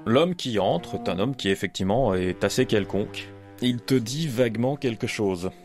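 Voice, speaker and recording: A man acts as game master, narrating the story in a fairly low voice. Music runs underneath his role-play narration. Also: expressive, normal speed, darkish tone. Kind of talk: scripted and improvised narration of a role-playing game.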